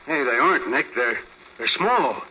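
A man's voice: mid-range voice, animated, measured pace, sharp tone, a little hiss or hum. A man playing a blunt, impatient police officer in a 1940s radio crime drama. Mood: earnest. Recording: muffled vintage radio recording.

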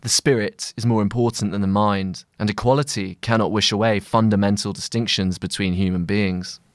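A man narrating a scripted long-read essay as a journalist, in measured, deliberate phrasing. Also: lowish voice, fairly even intonation, no echo, studio quality.

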